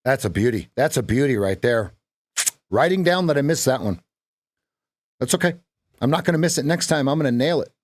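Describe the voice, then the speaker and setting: A man's voice: mid-range voice, lively intonation, brisk, pauses often, dry recording. A man hosting a live day-trading stream, chatting with viewers and repeating phrases as he watches the market.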